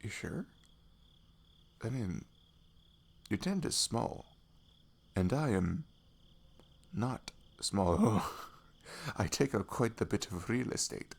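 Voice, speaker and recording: A man's voice: fairly low pitch, big pitch swings, slow pace, gravelly, long pauses, slightly rough, full character voice. A young American man playing a goofy, affectionate best friend in an intimate ASMR roleplay, chatting in a rambling, self-deprecating way. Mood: relaxed, chatty. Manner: rambling, giggly, self-deprecating, drops into murmurs.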